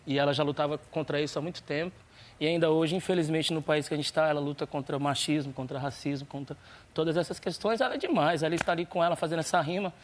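A man's voice: fairly high pitch, steady tone, fast talker, a little hiss or hum. A man speaking as a guest in a casual chat, earnest and reflective. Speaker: guest rapper.

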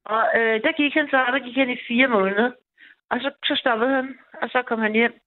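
A woman's voice: fairly high pitch, fairly even intonation. A woman in her fifties calling in, rambling through a personal story and repeating herself a lot. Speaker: caller. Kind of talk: personal storytelling on a call-in show. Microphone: telephone. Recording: tinny phone line.

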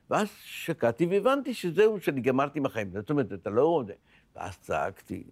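Older man, interview guest, emotional storytelling, repeats his words, medium pitch. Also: dry recording. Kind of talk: personal storytelling in a podcast interview.

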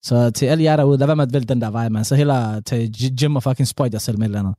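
A young man in casual podcast chat, telling stories in an animated, slangy way with a lot of swearing. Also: mid-range voice, no room sound, studio quality. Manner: animated, slangy storytelling with frequent swearing and laughing.

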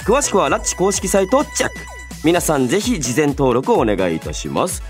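A man's voice: on the high side, a little fast. A man hosting a radio show in a chatty, playful yet polite way, moving between banter and announcements. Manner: playful, polite, animated delivery. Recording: voice over background music. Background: background music.

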